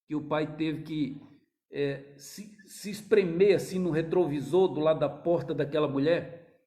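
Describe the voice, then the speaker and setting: A man preaching a fervent sermon to his congregation, his fairly high voice rising into loud, urgent cries before sinking into hushed, low passages. He keeps calling the listeners brothers. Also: unhurried. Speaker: pastor.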